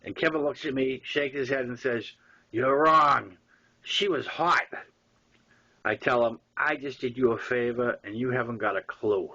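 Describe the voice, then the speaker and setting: A man with a Boston accent reading his own story aloud in an informal way, with halting, emphatic repeats and wry asides. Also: mid-range voice, sharp tone. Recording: dull lo-fi audio.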